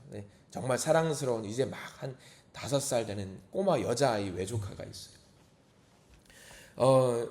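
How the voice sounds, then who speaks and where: A man's voice: mid-range voice, a little mellow. A man preaching a dawn sermon in a church, earnest, asking rhetorical questions and acting out prayers. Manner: acts out quoted prayers and a child's voice. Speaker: pastor. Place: church sanctuary.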